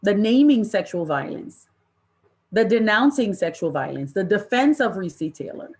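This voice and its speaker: A woman presenting an interactive online training session in an impassioned, deliberate way, with emphatic repetition and rhetorical questions. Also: medium pitch, sing-song, a little mellow. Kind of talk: impassioned interactive workshop talk to an online audience.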